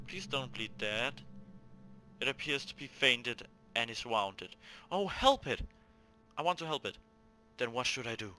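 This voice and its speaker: A man's voice: medium pitch, pushed and bright, poor audio. A man hosting a gaming video, reading a visual novel aloud theatrically, stumbling over words and talking to himself between lines.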